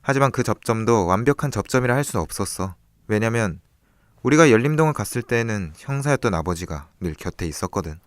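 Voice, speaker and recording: A young man playing a cool, calculating character who reveals a crime's secrets in a measured, knowing way in an audio drama. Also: on the low side, expressive, no echo, close to an everyday voice. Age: young adult. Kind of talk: audio drama acting, expository dialogue.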